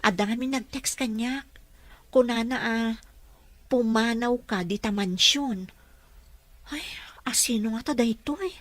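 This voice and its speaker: A woman with a Filipino Ilocano accent acting a gentle, deferential young caregiver in an audio drama. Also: fairly high pitch, a little slow, long pauses, dry recording. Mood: worried.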